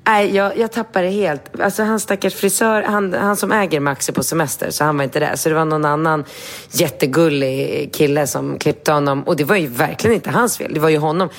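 A woman, co-hosting a casual podcast chat. She tells an animated story, acts out quotes in a high voice and swears casually. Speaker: podcast co-host.

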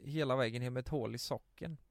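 Casting: young man, gravelly, dry close sound, loose rambling chatter. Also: mid-range voice, no room sound. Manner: rambling storytelling with swearing. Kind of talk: casual chat.

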